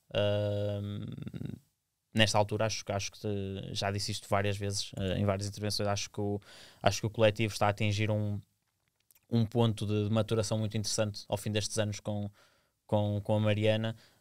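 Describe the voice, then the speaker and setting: In a dry recording with no echo and a quiet background, a man talks at a moderate pace in a fairly low pitch with monotone, flat intonation. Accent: European Portuguese. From Portugal. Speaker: football pundit. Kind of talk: casual chat. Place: studio. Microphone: studio mic.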